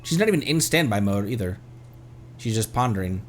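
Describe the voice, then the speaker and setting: A man's voice: on the low side, animated, fairly quick, slight background noise. A man doing casual live commentary as he streams a video game. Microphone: streaming microphone.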